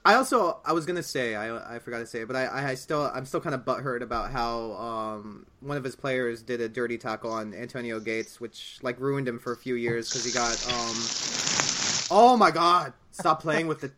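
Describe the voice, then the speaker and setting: A young man talking loosely on a casual podcast, full of fillers, restarts and offhand jokes. His voice sits at an ordinary middle pitch. He rambles along in a relaxed, chatty way. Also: moderate pace, a little hiss or hum. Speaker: podcast co-host. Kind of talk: casual chat.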